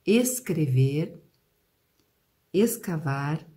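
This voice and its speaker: Slow-talking Brazilian woman teacher. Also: deep voice, expressive, dark tone. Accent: Brazilian Portuguese. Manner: slow, drawn-out pronunciation of example words; questions and prompts aimed at pupils. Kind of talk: video lesson for children.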